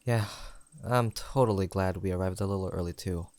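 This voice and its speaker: A man acting an affectionate young best friend in an intimate audio roleplay. His voice sits fairly low and is recorded close and dry. He chats gently and sincerely, with a playful, teasing streak. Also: brisk, no room sound, natural voice. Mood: amused, chatty. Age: young adult.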